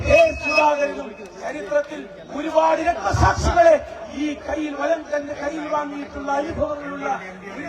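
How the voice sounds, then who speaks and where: A man with a Malayali accent, compering a political rally over a PA system, shouting and leading slogan chants. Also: extremely high pitch, recorded from a distance. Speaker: rally announcer. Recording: echoey PA sound with crowd noise.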